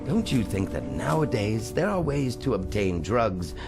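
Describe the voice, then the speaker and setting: A man's voice: on the low side, sing-song, unhurried, gravelly, exaggerated voice. An actor playing an evasive, imperious father with a formal, theatrical manner in a video game drama. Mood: guarded. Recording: music behind the voice.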